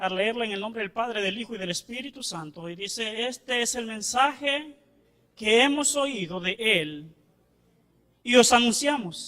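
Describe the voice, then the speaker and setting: This man's voice is loud and extremely high in pitch. He talks at a fairly slow pace with lively intonation. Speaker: preacher. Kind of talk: sermon. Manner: trying to speak loudly. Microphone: too quiet.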